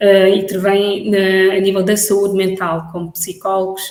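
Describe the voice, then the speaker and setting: Over noticeable background noise, a woman at medium pitch talks at a fairly slow pace. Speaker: psychologist. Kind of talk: radio interview. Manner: deliberately slow, measured; hesitant, many fillers.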